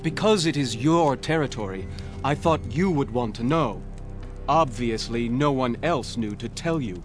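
An actor playing a courteous, self-assured Native American envoy in a radio drama, with a formal and pointed manner. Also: male voice, mid-range voice, lively intonation, a little slow, lightly acted. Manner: formal, deferential yet pointed. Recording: radio play with music underneath.

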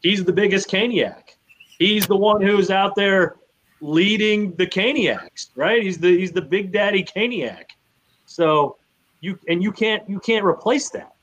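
A man's voice: high voice, a little slow, fairly bright tone, rough recording. A man co-hosting a sports podcast in casual conversation, repeating phrases for emphasis.

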